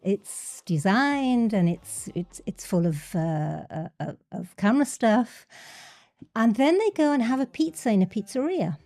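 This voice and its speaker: A woman's voice: a little high, animated, a little slow, dark tone, no echo. A middle-aged woman from England with an English accent, a guest in a conversational interview, who often hesitates and restarts her words.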